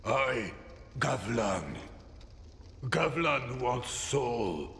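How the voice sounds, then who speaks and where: Very slow, greedy creature trader. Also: male voice, medium pitch, sing-song, long reverb tail, heavily acted. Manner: broken speech, drawn-out words. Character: greedy, simple-minded male creature trader. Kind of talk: fantasy game dialogue.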